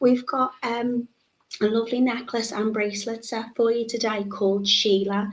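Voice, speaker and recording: This woman has a British accent and a fairly high pitch. She speaks in a monotone, flat intonation. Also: moderate pace. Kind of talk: live tutorial. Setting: live stream.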